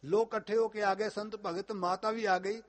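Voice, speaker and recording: Male katha preacher, high-pitched, emphatic and repetitive, chants scripture. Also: fairly even intonation, normal speed. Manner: emphatic, repeating lines with rising force. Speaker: Sikh preacher.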